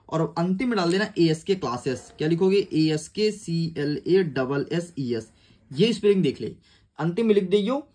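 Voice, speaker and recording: A man's voice: high voice, breathy edge. A young man teaching an exam-prep lesson in a casual, chatty way, talking to his students like friends. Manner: chatty, calls students "yaar" and "bhai".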